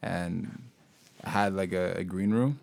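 Low-voiced young man, relaxed rambling talk. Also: unhurried, creaky, no echo. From Sudan. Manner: relaxed, rambling, lots of fillers and restarts. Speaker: local hip-hop artist, guest. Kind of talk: casual interview conversation.

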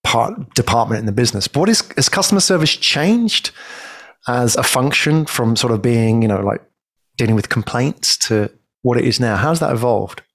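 A man's voice: medium pitch, expressive, normal speed. A man hosting an interview, asking questions in an engaged, chatty way and often ending with tag questions. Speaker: podcast host.

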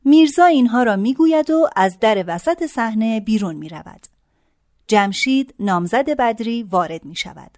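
A woman narrating stage directions in a calm, even scripted reading. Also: fairly high pitch, dry recording, clean studio sound.

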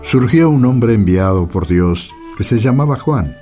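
A man's voice: medium pitch, lively intonation, unhurried, over music. A man giving solemn scripted narration and reading scripture.

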